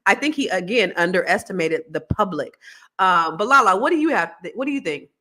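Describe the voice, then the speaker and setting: A woman's voice: mid-range voice, lively intonation, a little fast, sharp tone. A woman hosting a casual panel discussion, putting questions to the guests. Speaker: host.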